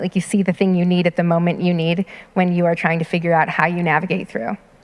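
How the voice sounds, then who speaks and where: A woman with an American accent, fairly low in pitch, at a very fast pace. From US, Denver, Colorado. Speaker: rabbi. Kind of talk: lecture Q&A.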